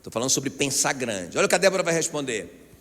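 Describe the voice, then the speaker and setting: A Brazilian man preaching a sermon as pastor, animated and often calling out to the congregation. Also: medium pitch, fast. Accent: Brazilian Portuguese. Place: church hall. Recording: long church hall reverb.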